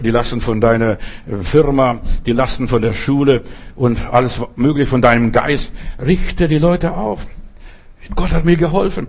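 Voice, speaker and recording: Husky preacher. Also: male voice, mid-range voice, a little mellow. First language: not German. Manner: fervent, repetitive, addresses listeners directly. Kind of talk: sermon with personal testimony.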